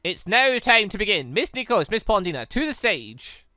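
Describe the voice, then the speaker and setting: A man voicing a grandiose tournament announcer in a visual novel, booming and ceremonial. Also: very animated, normal speed, pushed and bright, no echo, exaggerated voice. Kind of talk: visual novel read-aloud.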